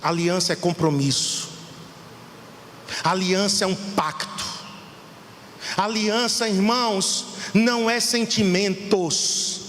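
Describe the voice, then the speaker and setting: A man's voice: sits high, slow, long pauses, fairly bright tone, in a large hall, a little hiss or hum. A middle-aged Brazilian man preaching a fervent sermon to his congregation as pastor. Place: church hall.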